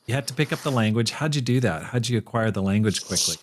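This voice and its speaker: A man's voice: on the low side, animated, fast talker, slight background noise. A man hosting a podcast interview, asking questions conversationally with some stammering restarts. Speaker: podcast host. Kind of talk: casual interview.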